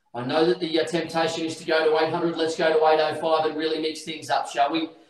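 A man's voice carries audible room echo over a quiet background. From Australia. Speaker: auctioneer. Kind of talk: fast auction bidding call. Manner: fast, rhythmic, persuasive. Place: office. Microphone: camera far.

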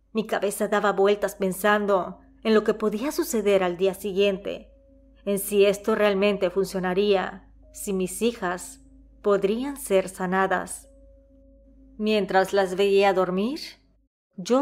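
Over music in the background, a woman speaks very slowly in a dramatic tone at a medium pitch. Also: fairly even intonation. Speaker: storyteller narrating a subscriber's story. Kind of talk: scripted narration of a ghost story. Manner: hushed, suspenseful, slow and somber; dramatic, first-person and emotional.

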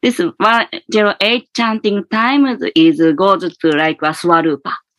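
Very wide pitch swings mark this woman's voice at a very slow pace. The background is quiet. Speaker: spiritual practitioner and interpreter. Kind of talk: personal sharing in a group discussion. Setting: video call. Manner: halting. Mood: warm, earnest, smiling. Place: home room. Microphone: webcam.

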